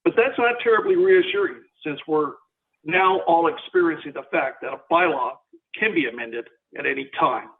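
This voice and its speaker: A man's voice: on the high side, a little hiss or hum. Man on a tinny phone speaker. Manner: formal, measured, argumentative. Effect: heard over a phone speaker. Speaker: public delegate addressing a council committee. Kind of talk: reading a prepared statement. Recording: tinny phone-line audio.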